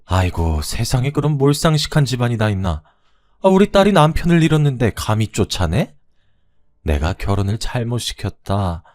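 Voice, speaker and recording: A man's voice: medium pitch, big pitch swings, normal speed, a little mellow, no echo, clean studio sound, lightly acted. A man voicing a sympathetic middle-aged mother who laments and scolds on her daughter's behalf, in a radio story. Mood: lamenting.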